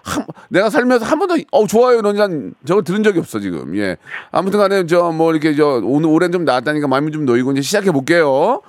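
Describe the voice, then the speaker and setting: A man's voice: a little high, big pitch swings, fast, no echo, clean studio sound. A male radio host chatting casually and teasingly with callers. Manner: joking, rambling, teasing.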